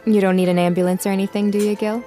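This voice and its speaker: Woman acting as young american tarot reader gal, dryly amused, confident, average pitch, soft music behind, audio drama. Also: flat delivery, rapid-fire, natural voice. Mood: teasing. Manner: teasing, assured, dryly amused.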